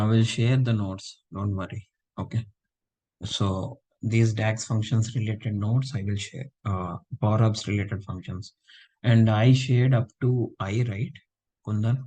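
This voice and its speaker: A man's voice: fairly low pitch, dark tone, poor audio. Unwell man teaching a class. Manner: repetitive, checks in with students often. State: unwell, low voice. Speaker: instructor. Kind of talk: live online class teaching.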